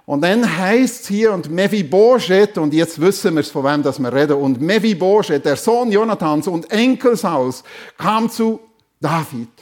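A man's voice: a little high, lively intonation, a little slow. A male preacher with a Swiss German accent, earnestly retelling a Bible story in a sermon, with some restarts.

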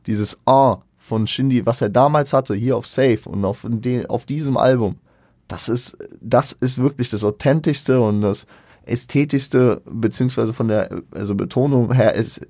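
A man's voice: medium pitch, warm tone, dry recording, clean studio sound. A man giving a casual spoken music review, hesitant, with many fillers, restarts and colloquial slang.

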